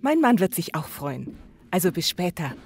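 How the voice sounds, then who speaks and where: A woman's voice: on the low side, sing-song, moderate pace, a little mellow, a little hiss or hum. A woman playing a chatty, effusive traveller. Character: chatty, sociable wife travelling by night train.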